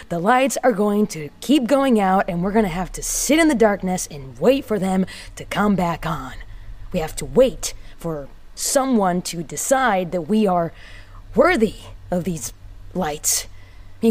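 A woman playing a weary, wry tinkerer in a sci-fi audio drama monologue, speaking in a halting, brooding manner. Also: lowish voice, darkish tone. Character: weary, wry young woman tinkerer in a doomed underground city.

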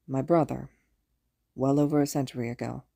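A woman's voice: rumbling low, steady tone, brisk, gravelly, warm tone, no echo, studio quality, voice pushed down, exaggerated voice. A woman voicing a guilt-ridden, self-loathing older man in an audiobook, subdued and resigned. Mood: weary, bleak.

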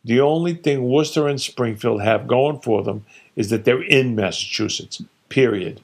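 A man's voice: mid-range voice, creaky, pitched above the performer's own voice. A man doing his blustering old father. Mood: scornful. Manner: blustering, dismissive, rattling off rapid-fire insults. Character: opinionated older father boasting about his home state. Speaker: narrator voicing his father.

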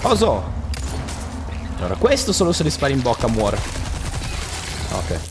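A young man giving casual gameplay commentary, animated, swearing often and yelling at enemies, then muttering while he searches. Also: mid-range voice, measured pace, noisy background. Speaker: gaming channel host. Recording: game music behind the voice.

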